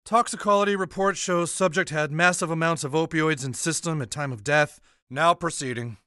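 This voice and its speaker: A man voicing a deadpan middle-aged coroner with a clinical delivery. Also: fairly high pitch, normal speed, clear, resonant tone, no echo, clean studio sound.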